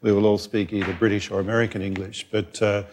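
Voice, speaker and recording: A low-voiced man with an Australian accent moderates a theatre panel. He asks long, rambling questions, often hesitating with ums and rephrasings. He speaks on a microphone at a public event. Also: level tone, fast, darkish tone.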